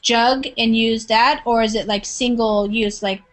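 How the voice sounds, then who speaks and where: A woman running a relaxed online English lesson, her voice sitting a little higher than most. She keeps drawing students out with question after question and warm encouragement. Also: a little slow, faint music behind. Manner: encouraging, asks many questions. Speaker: English teacher. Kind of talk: online group class.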